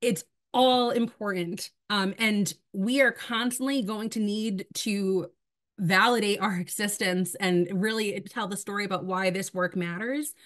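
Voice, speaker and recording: Over a quiet background, a woman speaks at a fairly slow pace. Her pitch varies in an ordinary way. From New York. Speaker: librarian; panelist. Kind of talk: panel presentation. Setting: video call. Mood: earnest, encouraging. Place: home room. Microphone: webcam.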